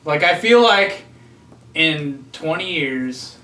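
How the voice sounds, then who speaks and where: A man's voice: fairly high pitch, expressive, slow pace, pushed and bright. A man in his twenties co-hosting a casual podcast, rambling and filling his talk with "like". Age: 20s. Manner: rambling, heavy use of "like". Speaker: podcast co-host. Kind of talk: casual chat among friends. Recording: roomy sound from a distance.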